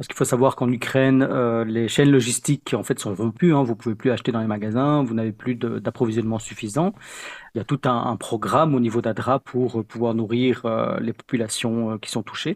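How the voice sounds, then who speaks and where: Recorded dry and close with no echo against a quiet background, a man speaks at a fairly quick pace, medium in pitch, with fairly even intonation. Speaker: aid organization director. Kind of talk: interview. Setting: phone call. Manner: halting.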